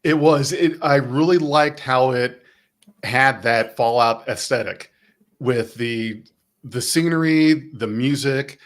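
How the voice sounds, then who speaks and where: A man's voice: medium pitch, takes it slowly. A man hosting a casual podcast chat from a small room with a green screen, joking sarcastically and laughing often. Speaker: podcast host.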